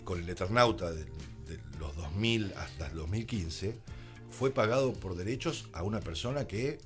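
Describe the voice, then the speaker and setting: An Argentine man, a guest in a radio studio, telling stories conversationally and quoting dialogue as he goes. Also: sits low. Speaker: radio drama producer and adapter, interview guest. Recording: music playing under the voice.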